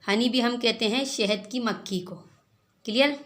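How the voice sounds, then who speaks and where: Woman teacher, Urdu-speaking South Asian accent, unhurried and methodical, often asks whether things are clear. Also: a little high, fairly bright tone. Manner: slow and patient, spells words letter by letter; checks in with listeners, asking "clear?". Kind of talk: children's vocabulary lesson.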